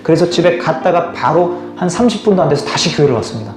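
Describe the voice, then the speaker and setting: A young male pastor preaching a sermon, swinging from loud pleading to hushed, low tones. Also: expressive, fast, reverberant. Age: young adult. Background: guitar music.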